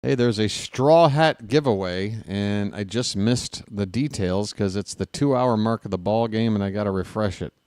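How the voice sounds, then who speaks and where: A man's voice: lowish voice, normal speed, few pauses, dry recording, clean studio sound. A man in his late forties doing casual live play-by-play of a baseball game, mixing calls with wry, sarcastic asides and grumbling. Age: 40s. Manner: gets loud and animated when ranting. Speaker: fan play-by-play broadcaster.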